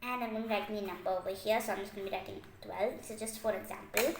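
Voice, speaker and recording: A woman's voice: mid-range voice, steady tone, rapid-fire, creaky. A woman hosting a casual step-by-step craft tutorial, often padding her phrases with "like" as she explains. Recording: echoey room with faint noise, clicks.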